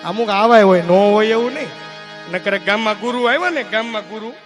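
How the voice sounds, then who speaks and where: A man's voice: high voice, a little fast, over music. A male comedian telling folksy stage jokes and slipping into character voices. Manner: folksy joke-telling, voices many characters, drops tag "ઈ કે". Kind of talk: stage comedy storytelling with mimicry.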